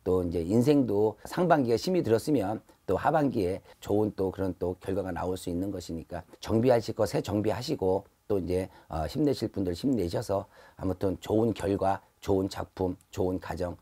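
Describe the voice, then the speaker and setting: A middle-aged man, a shaman fortune teller, giving a steady advisory reading to camera in a shrine room, speaking into a lapel mic. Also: deep voice, fairly quick, hardly any pauses, breathy edge. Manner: steady advisory tone, frequent fillers. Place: shrine room with altar, indoors.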